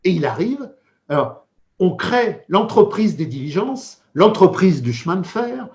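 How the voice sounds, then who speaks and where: Impassioned man with animated, rising pitch. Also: a little slow. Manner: emphatic, rhetorical repetitions, dense theoretical vocabulary. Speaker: political commentator. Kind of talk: impassioned political monologue.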